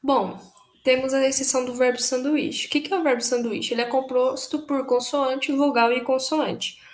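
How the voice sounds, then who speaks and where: A young woman with a Brazilian accent teaches a recorded grammar lesson, her voice sitting high and bright. She explains patiently, going over each rule again and spelling words letter by letter. The room around her rings with a noticeable echo. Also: steady tone, moderate pace. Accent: Brazilian Portuguese. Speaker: English teacher.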